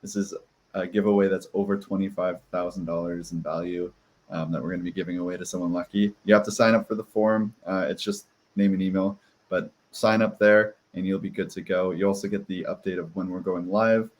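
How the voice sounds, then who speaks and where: Man, co-host, upbeat, breezy shout-outs, fairly low voice, video call. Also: level tone, fairly quick. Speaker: podcast co-host and producer. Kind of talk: casual live-stream announcements.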